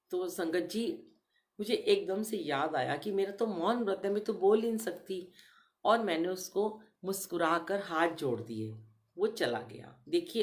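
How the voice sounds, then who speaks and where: A middle-aged woman giving a gentle devotional talk to her congregation, telling personal stories. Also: fairly low pitch. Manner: gentle storytelling, addresses listeners as "sangat ji". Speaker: spiritual speaker addressing congregation.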